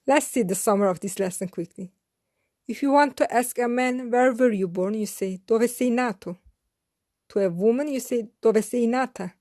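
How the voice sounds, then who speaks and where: A woman teaching a beginner lesson in a slow, scripted way, spelling out each phrase carefully and repeating it. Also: fairly high pitch, darkish tone, dry recording, studio quality. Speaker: language teacher.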